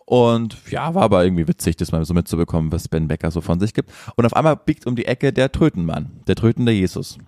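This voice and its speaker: Guy on a podcast, kinda low voice, animated storytelling, dry close mic. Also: fast, hardly any pauses, dry recording. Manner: animated storyteller, many restarts. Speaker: podcast co-host. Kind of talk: casual chat.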